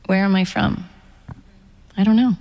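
In an onstage author conversation, a middle-aged woman novelist speaks frankly and wryly about her work and life to an audience. She has a warm, steady mid-range voice and speaks a little slowly, with long reverb from the echoey hall.

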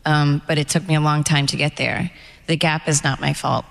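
A middle-aged American woman, an author and guest, talking in a reflective, candid and measured way at a live event interview in a hall. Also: low voice, level tone, vocal fry, a bit bright. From United States.

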